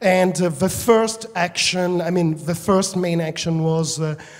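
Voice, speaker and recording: In an Italian accent, a man speaks with a high voice. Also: quiet background. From Italy. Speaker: anti-corruption campaigner; conference presenter. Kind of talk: conference presentation. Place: hall.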